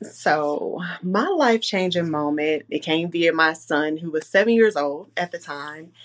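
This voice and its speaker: With a Southern US accent, a woman speaks at a fairly slow pace and a fairly low pitch, with ordinary pitch variation and hardly any pauses. Noticeable background noise is present. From US South, Columbia, South Carolina. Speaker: sobriety influencer and author. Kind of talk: casual chat.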